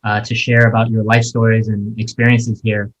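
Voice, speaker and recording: A man's voice: on the low side, completely flat delivery, normal speed, highs cut off. A man hosting a podcast interview, introducing a guest and asking questions in an enthusiastic, chatty way with fillers. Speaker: podcast host.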